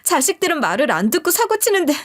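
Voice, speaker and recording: Audio story role: scheming young daughter-in-law, played by a woman, raised pitch, whiny protests and pleas. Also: big pitch swings, quick pace. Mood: tearful begging.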